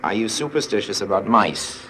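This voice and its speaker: A wisecracking crook, real low voice, dry and sarcastic, old 1950s radio show. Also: male voice, expressive, normal speed, sharp tone, a little hiss or hum. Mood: wry, weary. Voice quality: dry, sardonic, clipped. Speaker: lead and narrator. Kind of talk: 1950s radio drama acting.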